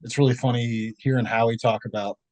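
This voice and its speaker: This is a young man from Texas in a relaxed podcast chat, at an ordinary middle pitch. He rambles with many fillers, restarts and little laughs. The sound is dry and close, with no room to it. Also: brisk, dry recording. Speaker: podcast guest. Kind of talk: casual interview chat.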